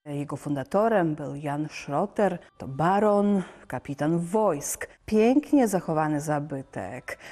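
A woman presents in an articulate, scripted style. Her voice is slightly low and very mellow. The long reverb of a church surrounds each phrase. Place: inside a wooden church.

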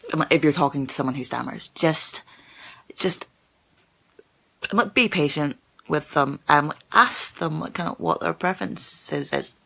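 Young woman who stammers, gravelly and bright. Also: low voice. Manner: stammers, with many fillers and repeated words. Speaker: channel host who stammers. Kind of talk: casual live-stream chat. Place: small room indoors. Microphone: phone held at arm's length.

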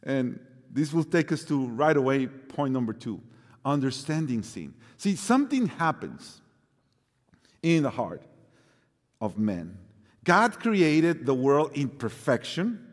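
A man's voice: medium pitch, sing-song, slow pace. A man in his fifties with a Mexican accent preaching a sermon on a church stage, earnest and repeating his key phrases. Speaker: pastor. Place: large church stage with orchestra instruments. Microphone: lapel mic. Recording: long hall reverb.

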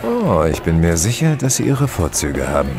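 Cool demon hunter: very low, deadpan, curt, sardonic; radio drama. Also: male voice, normal speed, exaggerated voice. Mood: probing, smooth. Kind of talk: German radio play acting. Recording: party crowd and music behind.

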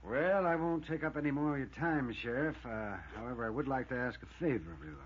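A muffled vintage radio recording of a courteous, fussy cabin owner. His voice is very raspy and his manner deliberate, in 1950s radio drama style. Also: medium pitch, expressive. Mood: polite, concerned.

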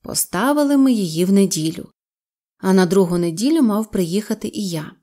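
A woman reading a humorous story aloud as a storyteller, lively and playful. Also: mid-range voice, brisk. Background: faint guitar music.

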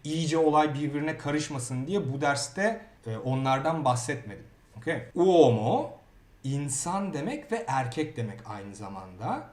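A Turkish-speaking man teaching grammar in a lively way, often checking in with the learner. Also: fairly high pitch, unhurried, echoey room. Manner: lively, repeats words and asks "okey?". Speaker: Italian teacher. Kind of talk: grammar lesson.

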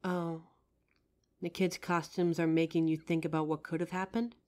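A woman's voice: fairly low pitch, close to an everyday voice. A woman playing a friendly, curious psychic who helps out in a costume shop, chatting expressively to the listener in a roleplay audio drama. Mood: tender, curious. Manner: chatty, expressive, with pauses and soft laughs. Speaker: voice actor. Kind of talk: roleplay audio drama, one side of a chat addressed to the listener.

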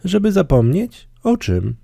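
A man voicing a small, curious, innocent boy prince in a storybook reading, asking gently puzzled questions. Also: high voice, wildly swooping pitch, a little slow, gravelly, no echo, clean studio sound, voice pushed up, exaggerated voice. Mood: wondering.

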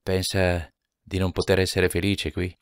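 A man reading aloud voices a shy, tender middle-aged bookseller who speaks hesitantly and gently. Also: low voice, monotone, measured pace, smooth, no room sound, studio quality. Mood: gentle.

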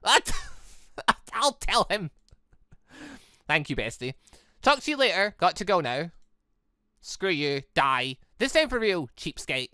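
A woman's voice: on the low side, slow pace, long pauses, dry recording, studio quality. A young woman streaming a visual novel, reading the lines aloud and chatting about the story. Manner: chatty, animated, reads character lines in her own voice. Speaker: let's play streamer.

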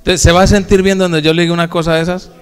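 A man's voice: sits high, flat delivery, quick pace. A male pastor preaching a sermon, talking casually to his congregation and asking them questions. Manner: folksy, addresses the congregation directly with questions. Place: church. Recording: echoey church hall with long reverb.

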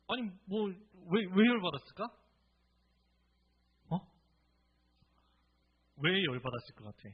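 A man's voice: medium pitch, breathy edge. A male pastor giving a casual, interactive sermon in a church room, speaking informally and quizzing his listeners with repeated questions. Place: church room with a group of forty or fifty. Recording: dull lo-fi recording.

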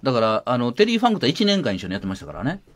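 A man's voice: medium pitch, huge pitch swings, very fast, dry recording. A middle-aged man with a Kansai accent, a radio regular who eagerly recounts old events and repeats his points in casual talk.

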